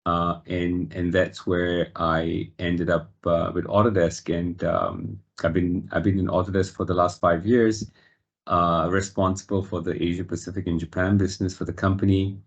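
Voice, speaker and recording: A man in his fifties from Singapore, answering interview questions in a measured, reflective way with frequent fillers. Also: sits low, flat delivery, highs cut off. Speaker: guest.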